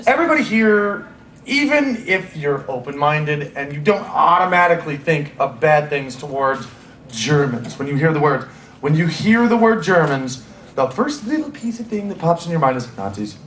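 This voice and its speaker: A man hosting a convention panel tells comedic stories to a live audience, animatedly mimicking the voices in quoted dialogue. His voice is a little high at normal speed, and the echoey room has faint ambience with slight background noise.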